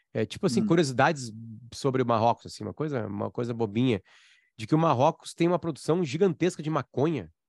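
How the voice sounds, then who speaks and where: Speaking at a very fast pace with a Brazilian accent, a man uses lively intonation at a medium pitch, recorded dry and close with no echo. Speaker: podcast host. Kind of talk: casual chat.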